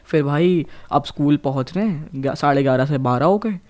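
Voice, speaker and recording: Young podcast co-host from Bhopal in his late teens, slightly high voice, animated and foul-mouthed storyteller. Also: moderate pace. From Bhopal, India. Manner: profane, animated, mixes English phrases into Hindi. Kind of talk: casual storytelling chat.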